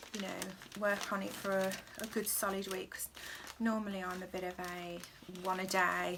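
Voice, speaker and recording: Over noticeable background noise and audible room echo, the speaker keeps a monotone, flat intonation at a moderate pace. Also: woman, medium pitch for a woman. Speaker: cross stitch video blogger. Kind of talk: casual show-and-tell vlog. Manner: hesitant, many fillers.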